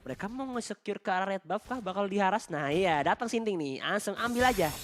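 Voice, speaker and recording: A man's voice: sits high, lively intonation, fast talker, a little hiss or hum. A man with an Indonesian accent giving casual, analytical esports commentary in a chatty, bantering way. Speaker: esports shoutcaster.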